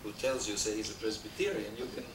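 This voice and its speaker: The lecturer is an older Austrian man whose first language is German, speaking with an Austrian German accent in a lowish, expressive voice at a quick pace. His academic talk is discursive, hesitant and dryly humorous. Recorded via a desk mic on a stand in a wood-paneled hall, the noisy VHS transfer sounds distant and roomy.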